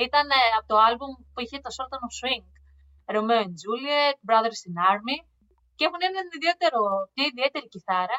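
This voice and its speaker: A woman projects a high, raised voice with a bright, sharp tone and lively intonation, captured with a dry, close sound and no echo. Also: moderate pace. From Greece, Ilia, Peloponnese. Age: 30s. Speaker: podcast host. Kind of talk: casual chat.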